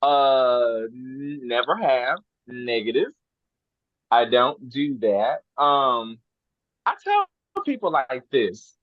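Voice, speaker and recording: A man guesting on a podcast, answering questions in a relaxed, joking way with drawn-out phrases. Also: mid-range voice, no room sound, highs cut off. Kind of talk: casual interview answers.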